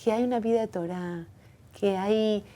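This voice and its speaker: A woman talks as an interview guest, earnest and reflective. Her voice is warm and mellow, and her pitch sits in the middle range. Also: steady tone, moderate pace. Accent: foreign accent when speaking Hebrew. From from outside Israel.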